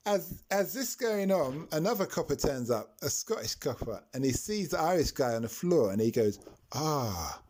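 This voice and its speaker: A man's voice: fairly high pitch, darkish tone. A man, a taxi driver and podcast host, telling a story in a chatty way and laughing as he goes. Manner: chatty, laughs through his stories. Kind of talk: anecdotal storytelling.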